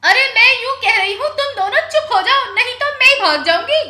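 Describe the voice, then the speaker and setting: A woman's voice: very high-pitched, lively intonation, fairly quick, bright, forceful tone, roomy sound, exaggerated voice. An actress playing a fed-up Haryanvi village wife and stepmother who scolds and wails, in a Haryanvi accent. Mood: scolding. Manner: scolding, wailing complaints.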